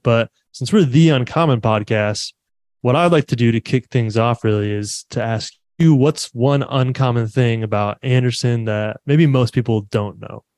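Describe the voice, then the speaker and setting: A man's voice: medium pitch, darkish tone, smooth, no echo. Chatty male podcast host, dry sound. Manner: chatty, easygoing, laughs often. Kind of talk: casual interview chat.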